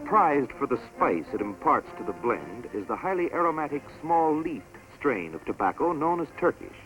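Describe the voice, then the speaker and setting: A man's voice: medium pitch, sing-song, a bit bright, low-quality recording. Stately male announcer over orchestral music. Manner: measured, stately announcer delivery. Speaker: film narrator. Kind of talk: scripted documentary narration. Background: orchestral music score.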